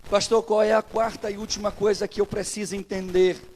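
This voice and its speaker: A man's voice: high voice, little pitch movement, brisk, noisy background. A male pastor with a Brazilian Portuguese accent preaching a sermon, acting out the people in his stories as he goes. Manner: preaching with rising intensity, acting out quoted dialogue.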